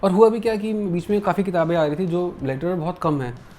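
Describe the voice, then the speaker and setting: A man's voice: sits high, fairly even intonation, fairly quick, mellow. A man being interviewed as a comics publisher and letterer, speaking candidly and reflectively and mixing English phrases into his speech. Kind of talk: casual interview conversation.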